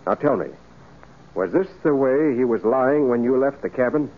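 Lively, assured detective, acted by a man. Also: medium pitch, normal speed, close to an everyday voice. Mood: insistent, probing. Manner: probing, assured. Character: shrewd, determined male private detective. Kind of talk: 1940s radio acting. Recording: noisy, tinny 1940s radio recording.

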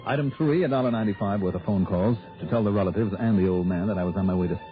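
A man's voice: on the low side, rapid-fire, faint music behind, close to an everyday voice. An actor playing a wry, skeptical male insurance investigator who also narrates in first person, in 1960s radio drama style. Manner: dry, wisecracking, skeptical. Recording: tinny old radio broadcast.

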